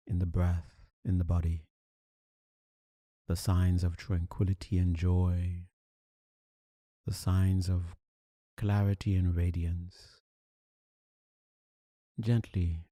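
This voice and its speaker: A man leading a guided meditation as a teacher, speaking calmly and soothingly with long, deliberate pauses. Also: sits low, dry recording, clean studio sound.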